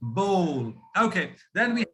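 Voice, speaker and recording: A man with an Indian accent coaching pronunciation on a video call, drilling words slowly and switching into Hindi. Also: sits high, big pitch swings, fairly bright tone. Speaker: pronunciation trainer.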